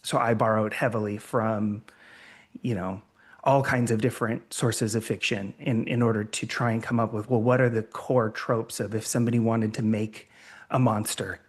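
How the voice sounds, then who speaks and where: A man's voice: lowish voice, little pitch movement, normal speed, husky. A man on a convention panel, methodically explaining his tabletop game design.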